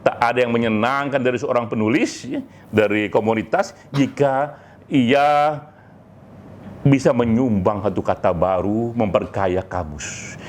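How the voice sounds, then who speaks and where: A man giving an informal, emphatic monologue to a community, with deliberate pauses and small tag words. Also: medium pitch. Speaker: speaker, leader of a poetry community.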